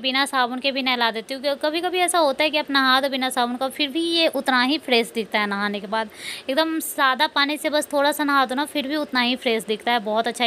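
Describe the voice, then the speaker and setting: A woman's voice: high-pitched, pushed and bright, a little hiss or hum. A young woman chatting casually at home about her newborn, talking loosely with many fillers. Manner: sing-song baby talk to her infant. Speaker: vlogger and new mother. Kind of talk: casual home vlog narration.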